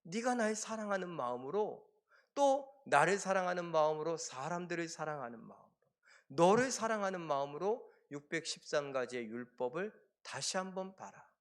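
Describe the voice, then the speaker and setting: A male pastor voicing a gentle, loving teacher who speaks in a soft, patient, coaxing way within his sermon. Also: on the high side, lively intonation, normal speed. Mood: tender.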